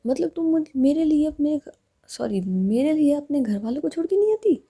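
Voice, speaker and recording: A woman voicing a devoted, teasing young woman in love, speaking softly and half whispered. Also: medium pitch, normal speed, gravelly, slightly rough. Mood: indignant.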